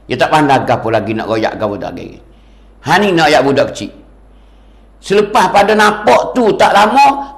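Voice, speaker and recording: A man giving a sermon lecture as a religious teacher, animated and repetitive, his voice rising and falling for emphasis. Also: mid-range voice, reverberant.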